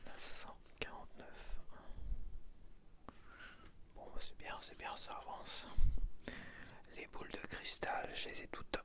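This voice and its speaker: A man whispering softly into a close mic for ASMR, murmuring sticker numbers and rambling along. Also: slow, pauses often. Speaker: ASMR creator.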